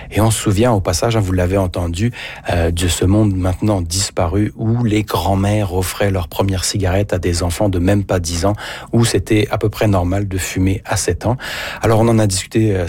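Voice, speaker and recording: Radio host guy, lowish husky voice, chatty with a few euh. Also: a little mellow. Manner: conversational, with fillers. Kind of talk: radio interview.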